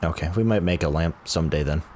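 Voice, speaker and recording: Very low-voiced man chatting while gaming. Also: fast, a little hiss or hum. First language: English. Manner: relaxed, chatty, mutters while sorting items. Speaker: gaming channel host. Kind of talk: casual co-op gameplay chat.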